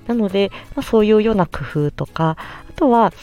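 A woman speech therapist hosting a solo podcast, explaining gently with many pauses and fillers. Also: medium pitch, lively intonation.

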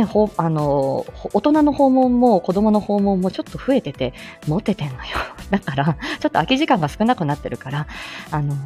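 A woman's voice: lowish voice, darkish tone. A woman hosting a live stream in a casual, chatty way, often laughing between phrases. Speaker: livestream host.

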